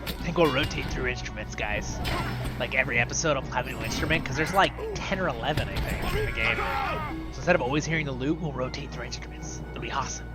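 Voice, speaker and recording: A man's voice: medium pitch, fast talker, over loud music. A man hosting a gaming video with casual, playful, chatty commentary.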